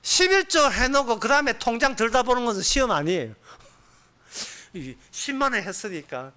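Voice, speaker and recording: A man's voice: very high voice, sing-song, normal speed, sharp tone. A male pastor with a Gyeongsang accent preaching a sermon in a colloquial way, full of rhetorical questions. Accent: Gyeongsang Korean.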